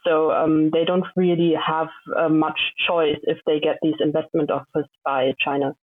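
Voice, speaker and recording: A woman in her twenties explaining her view as a panelist, with frequent pauses and ums. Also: sits low, level tone, no echo. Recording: tinny phone-like call line, dry.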